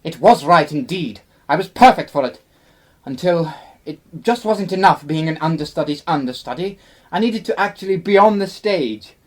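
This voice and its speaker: A woman's voice: low voice, lively intonation, moderate pace. A woman playing a vain, easily offended male actor in his twenties, grandiose and melodramatic, in a radio play. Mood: boastful. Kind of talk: theatrical radio play acting.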